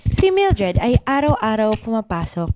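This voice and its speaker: A woman's voice: on the high side, big pitch swings, normal speed, noisy background. A woman hosting an improv comedy show and narrating its radio drama into a close studio microphone.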